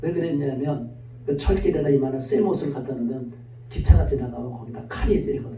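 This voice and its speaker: There is audible room echo and noticeable background noise. A man talks at a moderate pace with lively intonation. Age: 60s. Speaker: pastor. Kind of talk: sermon.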